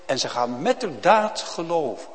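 A man preaching a solemn sermon as pastor to his congregation, with loud emphatic calls. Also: on the high side, big pitch swings, normal speed. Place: church. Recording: long church reverb.

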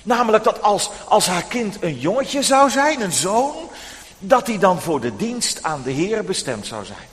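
Lively preacher telling children a story. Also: male voice, sits high, unhurried, in a large hall. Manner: animated, addressing children directly.

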